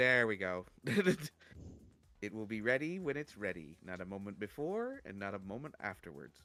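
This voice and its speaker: A man speaks at a moderate pace with lively intonation and a fairly low pitch. Music plays in the background. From Ontario, Canada (near Cornwall). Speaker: voice actor, cast member. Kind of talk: casual livestream chat.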